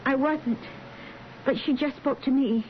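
High-voiced, hesitant young woman. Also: a little slow. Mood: evasive, impatient. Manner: hesitant, stammering, insistent. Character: tense, urgent young woman, estranged daughter. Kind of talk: radio drama acting. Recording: dull, slightly noisy radio broadcast.

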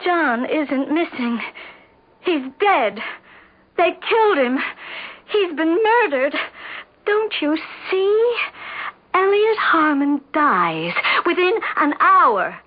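An actress playing a distraught, insistent wife in a 1970s radio drama, speaking in halting, anxious repetitions. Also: female voice, sits high, sing-song, full character voice. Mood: agitated, insistent. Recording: dull vintage radio recording.

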